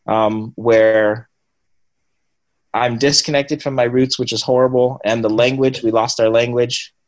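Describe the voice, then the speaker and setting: A man's voice: medium pitch, low-quality recording. A young man giving an interview, speaking thoughtfully with frequent ums and restarts. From Washington State and Cambodia. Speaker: guest. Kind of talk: conversational interview.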